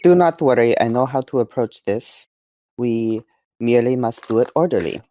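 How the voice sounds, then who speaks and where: A man's voice: medium pitch, moderate pace, dark tone, natural voice. A man playing an earnest, pompous religious adventurer who speaks formally in a tabletop game. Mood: earnest, insistent. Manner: formal, lecturing, without contractions.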